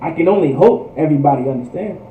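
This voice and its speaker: A man's voice: fairly high pitch, lively intonation, quick pace, narrow, tinny audio. A man teaching in a fervent preaching style, emphatic, with repetitive, rhetorical phrasing. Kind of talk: fervent religious history teaching. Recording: echoey room, distant microphone.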